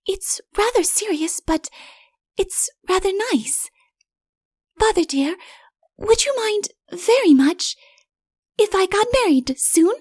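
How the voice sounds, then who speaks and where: A sweet young princess from a fairy-tale audiobook, put on by a woman. Her voice is pitched high, soft and breathy. She speaks gently and coaxingly, as a devoted daughter, in a dry, close recording. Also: lively intonation, takes it slowly, long pauses, dry recording, full character voice. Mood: shy, coaxing. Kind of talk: audiobook character voice.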